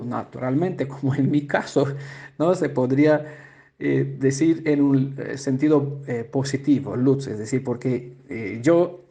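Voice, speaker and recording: Man, non-native speaker, Bible teacher, mellow tone, slightly high voice, hesitant with fillers. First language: not Spanish. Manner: halting, many filler "eh" sounds and restarts, asks "¿no?" and "¿vale?". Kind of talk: explaining Hebrew and Greek word meanings.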